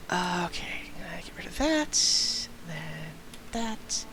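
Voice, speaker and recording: A man's voice: sits high, very animated, slow, creaky, noisy background. Light-voiced young trans man streaming games. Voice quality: light, youthful-sounding voice. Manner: rambling, chatty, laughs often, greets viewers mid-story. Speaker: game streamer. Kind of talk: casual live-stream chat.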